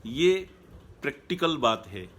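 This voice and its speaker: Calm, measured male happiness coach. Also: mid-range voice, slight background noise. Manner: calm, measured, repeats key points. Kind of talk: live online talk.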